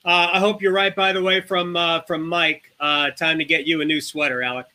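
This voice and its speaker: A man hosting a casual sports show, chatting with guests in a halting, hesitant way. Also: fairly high pitch, level tone, sharp tone.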